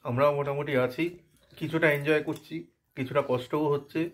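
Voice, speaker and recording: A man with a slightly hoarse voice from a cold, chatting casually with his viewers in a home vlog. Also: a little high, fairly even intonation, brisk. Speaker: vlogger.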